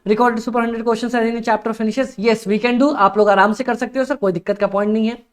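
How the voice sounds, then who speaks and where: A young man teaching a live-streamed online exam class, energetic and coaxing, who keeps repeating phrases and reads chat comments aloud. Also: very high-pitched, normal speed. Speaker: accountancy exam tutor.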